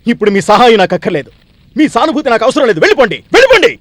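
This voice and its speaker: A man's voice: very high-pitched, very animated, racing, a bit bright, no echo, full character voice. An actor playing a grieving young man who bitterly accuses the villagers, in a 1980s film drama. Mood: angry grief.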